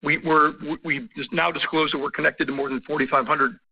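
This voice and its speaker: Husky male executive, halting delivery, muffled line. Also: fairly high pitch, level tone. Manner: halting, repeats words, throat-clearing. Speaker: company executive. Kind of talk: unscripted earnings call answers. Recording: dull, band-limited conference call audio.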